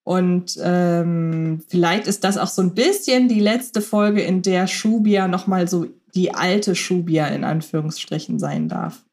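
A woman's voice: fairly low pitch, measured pace, hardly any pauses, a little mellow. A woman co-hosting a podcast, talking through her thoughts in casual analytical chat, with frequent filler sounds and hesitations. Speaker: podcast co-host.

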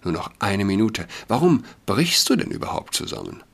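A man voicing a sharp-tongued young man lecturing his sister in an emphatic, impatient way, reading a novel aloud. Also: lowish voice, big pitch swings, moderate pace, gravelly, full character voice.

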